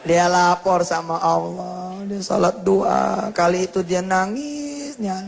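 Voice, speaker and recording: A man's voice: sits high, takes it slowly, vocal fry. A man preaching a storytelling sermon, acting out the dialogue as he tells the story. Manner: lively storyteller who acts out the dialogue. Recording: reverberant hall sound.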